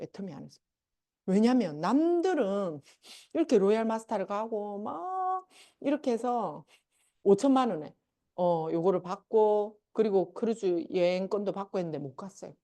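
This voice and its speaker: Animated middle-aged woman speaker. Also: on the high side. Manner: animated storytelling, acting out family members. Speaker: seminar speaker. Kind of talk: motivational sales seminar talk.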